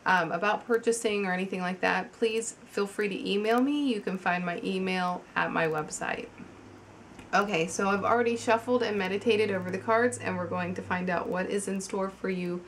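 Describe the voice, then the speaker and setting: Woman with a cold, chatty and halting. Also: medium pitch, slight background noise. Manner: chatty, halting with many ums and restarts. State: has a cold, slightly congested. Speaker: tarot reader. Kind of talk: casual video tarot reading. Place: at home.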